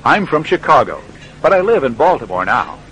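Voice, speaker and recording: A friendly reporter. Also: male voice, mid-range voice, very animated, normal speed, bright, forceful tone, slight background noise, poor audio. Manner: clear, patient, friendly. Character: friendly male American radio reporter. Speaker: interviewer. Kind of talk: scripted learner dialogue.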